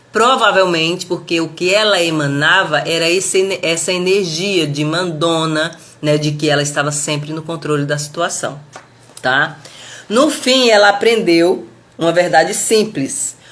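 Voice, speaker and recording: Over noticeable background noise and audible room echo, a woman with a fairly low pitch speaks at a fairly slow pace with ordinary pitch variation. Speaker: book study presenter. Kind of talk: book reading with commentary. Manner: casual, conversational.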